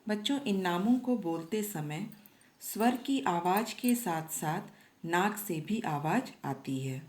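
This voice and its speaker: Slow, patient woman teacher. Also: on the low side, expressive, a little mellow. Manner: patient, repeats words for children. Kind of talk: slow classroom lesson reading aloud.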